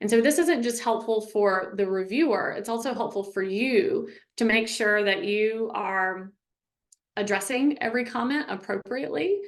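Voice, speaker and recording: In an ordinary speaking voice, a woman with a fairly high pitch speaks at a moderate pace with ordinary pitch variation. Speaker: academic writing coach and professor. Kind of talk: webinar presentation. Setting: online webinar.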